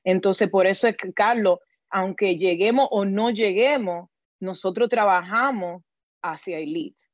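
A team coach from the Dominican Republic, a woman with a Dominican Spanish accent and a mid-range voice, gives casual interview answers as a guest at a measured pace. She's earnest, often restarts phrases, repeats words, and slips into English. The recording is dull and lo-fi, made in a dry space with no room echo.

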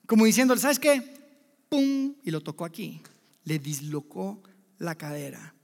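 A male preacher with a high, gravelly voice delivers a sermon to his listeners as friends. He swings from loud emphatic bursts to hushed, near-whispered lines. The sound carries a long reverb from a large hall. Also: very animated, moderate pace. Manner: addresses listeners directly as friends.

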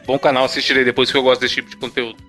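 A man's voice: medium pitch, level tone, racing, sharp tone, faint music behind. A man with a Brazilian accent hosting a casual podcast chat in slangy, sweary speech. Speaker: podcast host.

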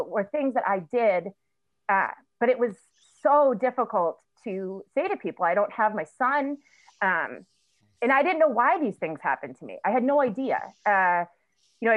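A woman's voice: a little high, dry recording. Woman over a tinny phone-like line. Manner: candid, halting, many fillers and restarts. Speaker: guest. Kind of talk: emotional personal storytelling in an interview.

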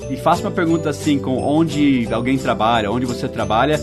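A man with a Brazilian Portuguese accent, teaching a podcast lesson for learners, saying the example phrases slowly and clearly between quick explanations. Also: mid-range voice, fairly even intonation, over music. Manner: slow, exaggerated model phrases in English between quick explanations. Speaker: English teacher.

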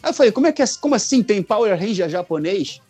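Higher-voiced Brazilian man telling stories. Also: fast talker, husky, dry recording, faint music behind. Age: 40s. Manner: animated, jokey, colloquial storyteller. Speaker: podcast guest. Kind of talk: casual chat, telling personal stories.

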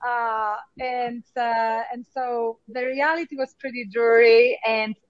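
A woman's voice: fairly high pitch, steady tone, no echo, lo-fi sound. Polish-accented woman, reflective guest. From Poland. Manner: reflective, many fillers and pauses. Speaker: podcast guest, success coach. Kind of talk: conversational interview.

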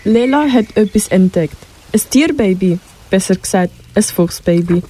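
A woman's voice: medium pitch, animated, normal speed, dark tone. A teenage girl narrating a school radio play, reading the story steadily. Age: teens.

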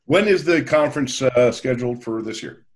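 A man's voice: medium pitch, expressive, normal speed. A man hosting a conversational interview, feeling his way through sentences with hesitations and repeated words. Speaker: interviewer, host.

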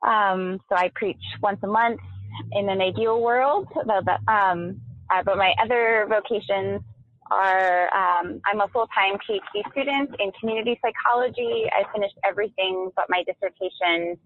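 A woman's voice: mid-range voice, normal speed, dry recording. An American woman in her thirties casually introducing herself as a guest on a group call. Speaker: minister, panel guest. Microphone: remote call, dry. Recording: tinny phone-like call audio.

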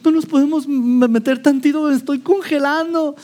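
A man's voice: very high voice, steady tone, normal speed, dark tone, pitched above the performer's own voice. Man doing a shivering, pleading young woman. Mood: shivering plea.

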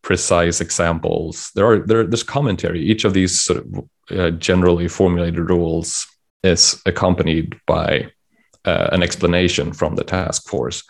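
Deep gravelly-voiced man co-host. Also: fairly even intonation. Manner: measured, explanatory, reads out guideline text. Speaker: podcast co-host. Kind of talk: casual panel discussion.

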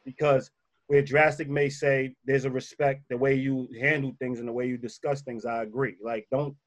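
A man with a slightly bassy voice talks through relationship advice in a loose, conversational way. He leans on his points and comes back to them again and again. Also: flat delivery, moderate pace. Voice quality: a little bassy voice. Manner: emphatic, repeats key points. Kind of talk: casual advice talk.

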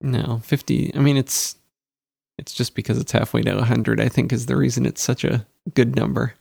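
A man with a heavily gravelly voice chats casually as a podcast co-host, wandering off on tangents and laughing often. The sound is dry and close, with no room around it. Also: medium pitch, fairly even intonation, normal speed, dry recording. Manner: rambling, laughs often, breaks into a loud wedding DJ voice. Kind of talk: casual chat.

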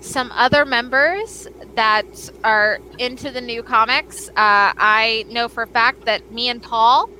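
A woman with a Southern accent chats excitedly on a podcast, gushing over her guests. Her voice sits a little high and rings bright and forceful, with a faint hiss underneath. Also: takes it slowly, hardly any pauses, poor audio. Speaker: podcast co-host. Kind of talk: casual chat.

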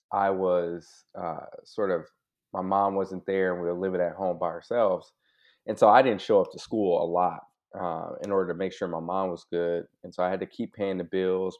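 Male interview guest, American, very low register, informal and open, telling personal history; slightly dull lo-fi sound. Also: darkish tone. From United States (born in Hawaii, grew up in California). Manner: informal, open, frequent "right?" and "like" asides. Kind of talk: candid personal life story, casual. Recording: dull, lo-fi audio.

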